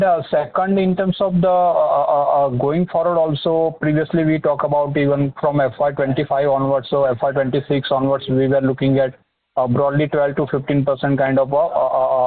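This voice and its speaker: Through a thin phone line, a male financial analyst with an Indian accent puts questions to management. His pitch is average and his delivery is halting, often circling back over phrases. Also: little pitch movement. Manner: halting, hesitant, repetitive phrasing. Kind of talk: questioning management on an earnings call. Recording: narrow phone-line sound.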